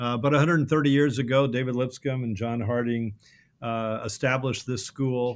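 With a normal speaking voice, a man talks at medium pitch and a moderate pace, his intonation fairly even, against a quiet background. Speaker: university president. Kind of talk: interview conversation.

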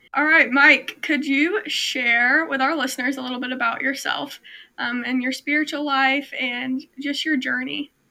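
In an American accent, a woman speaks at a moderate pace in a raised, projected voice, her high pitch bright and sharp in tone yet monotone and flat in intonation. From Southern Indiana. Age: 20s. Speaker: co-host, ministry student. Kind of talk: podcast interview.

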